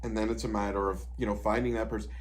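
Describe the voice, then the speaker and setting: A man in his fifties, a disability advocate, explaining plans and supports in a relaxed interview, with frequent "you know" asides. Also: fairly low pitch, very fast, slight background noise. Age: 50s. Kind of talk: conversational interview advice.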